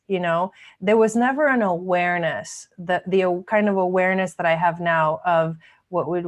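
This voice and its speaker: Lowish voiced woman from argentina hosting a video call chat, kinda hesitant, lots of restarts. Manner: hesitant, with many restarts and fillers. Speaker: host. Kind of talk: casual interview chat.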